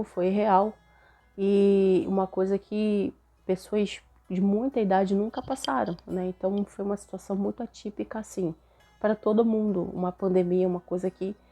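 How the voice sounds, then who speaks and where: A young Brazilian woman with a Brazilian Portuguese accent, hoarse and a little nasal from a cold, chatting casually to camera as host of her faith channel, often tagging her sentences with questions. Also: medium pitch, warm tone. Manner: chatty, frequent tag questions.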